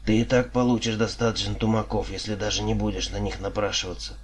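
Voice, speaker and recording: A man voicing a gruff, loyal male fellow slave who gives urgent warnings. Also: lowish voice, level tone, fast, a crowd in the background, lightly acted.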